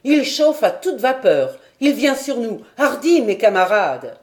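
A woman's voice: on the high side, very animated, a little slow. A woman voicing a learned grown man who eagerly announces a ship and rallies his companions.

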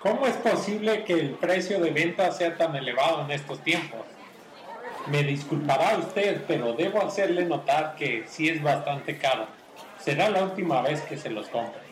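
A man playing a courteous, upright gentleman in an amateur radio drama, stiffly formal and politely indignant. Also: fairly high pitch, expressive, moderate pace, some chatter behind, a little hiss or hum, lightly acted. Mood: prim indignant. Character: prim, courteous male gentleman of justice. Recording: roomy echo.

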